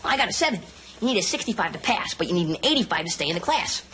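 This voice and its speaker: A man's voice: high voice, sing-song, very fast, bright, forceful tone, a little hiss or hum, heavily acted. A goofy dim sitcom teen boy. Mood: boastful. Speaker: sitcom character. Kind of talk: sitcom acting.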